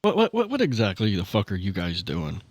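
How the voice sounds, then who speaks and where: A man with a slightly low voice talks casually as a player in a tabletop game. He is halting and often repeats words. The sound is dry and close. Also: huge pitch swings, dry recording.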